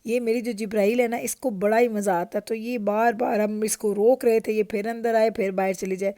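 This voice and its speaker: A woman's voice: fairly high pitch, steady tone, fairly quick, dark tone. A middle-aged woman with a Pakistani Urdu accent, chatting through a home vlog and telling stories with frequent laughter. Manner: chatty and storytelling, laughs often. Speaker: vlogger. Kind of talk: casual vlog narration. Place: home in Canada.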